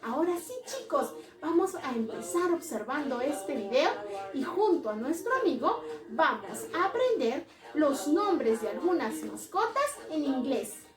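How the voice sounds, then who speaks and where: A woman with a high, lively voice leads a children's lesson, sing-song and coaxing, checking in with small tag questions. She speaks slowly and carefully. Her voice sounds roomy and a little far from the mic, with clear music playing behind. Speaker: preschool teacher.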